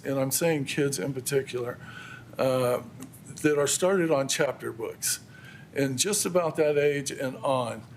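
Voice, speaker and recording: Higher-pitched American man making public comment. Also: a little hiss or hum. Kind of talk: extemporaneous public address. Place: council chamber.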